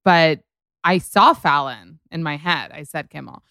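A woman's voice: low voice, unhurried, sharp tone, clear, resonant tone, no echo, clean studio sound. Chatty, gushing woman podcast host. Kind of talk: casual podcast chat.

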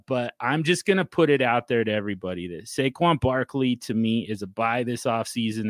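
A man hosting a casual podcast chat, playful and quick to laugh. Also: mid-range voice, dry recording, studio quality. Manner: playful, sing-song show intro, laughs often. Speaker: podcast host.

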